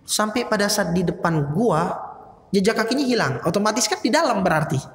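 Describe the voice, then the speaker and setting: A man preaches in a relaxed, chatty way, telling stories with slangy asides. His voice rings through a large, echoey hall with a long reverb tail. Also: high-pitched, brisk. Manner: conversational, lively retelling with slangy asides. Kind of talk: casual sermon storytelling.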